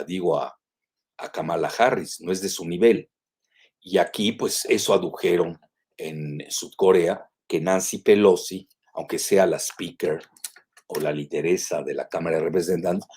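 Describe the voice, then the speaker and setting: An older man with a Mexican accent talks through the news live in a low, slightly husky voice. He digresses often, with frequent "eh" fillers and self-corrections. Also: darkish tone. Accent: Mexican Spanish. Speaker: geopolitical analyst hosting a weekly live show. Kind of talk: live commentary, reading and remarking on news.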